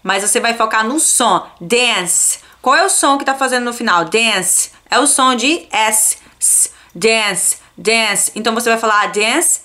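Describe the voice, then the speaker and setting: A young adult woman from Brazil teaching a casual video lesson on English pronunciation, repeating words slowly for learners and checking in often. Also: a little high, bright, forceful tone.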